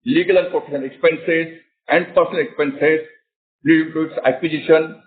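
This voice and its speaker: A man with an Indian accent reads a formal, measured corporate presentation as a company executive, over a tinny conference call line. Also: fairly high pitch, steady tone.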